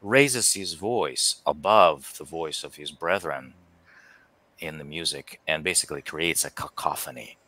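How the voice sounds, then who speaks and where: A middle-aged man with a very deep but bright, forward voice, recorded dry on a headset. He talks casually and thoughtfully, pausing and restarting, then pressing on the important words. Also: dry recording, poor audio. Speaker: guest on a livestream discussion. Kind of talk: casual reflective discussion. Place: indoor room at home, on a video call. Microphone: headset on a video call.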